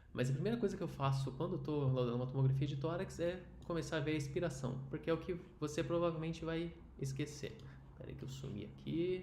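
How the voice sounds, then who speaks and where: Speaking at a very fast pace, a man with a fairly high pitch, ordinary pitch variation and a dark, mellow, somewhat breathy tone is heard with audible room echo. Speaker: radiologist and teacher. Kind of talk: lecture.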